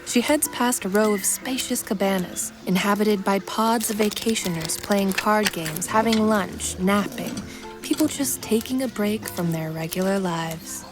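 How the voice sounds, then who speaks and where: Brief: female narrator, scripted scene-setting for audio fiction, mid pitch, strong music bed. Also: measured pace. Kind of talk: scripted present-tense story narration with guided imagery. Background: prominent music.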